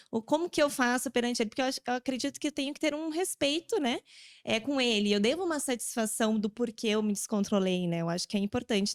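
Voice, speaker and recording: A Brazilian woman asks a parenting question, pausing and restarting as she searches for words. Her voice is fairly high and sounds dry and close. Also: dry recording. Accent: Brazilian Portuguese. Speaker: guest asking a question. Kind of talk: casual conversation.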